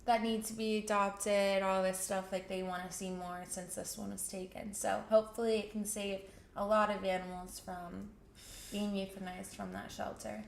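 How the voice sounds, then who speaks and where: A woman's voice: mid-range voice, little pitch movement, moderate pace, gravelly. A woman co-hosting a casual live morning show, telling a news story in a chatty way. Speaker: co-host. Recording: echoey room with faint noise.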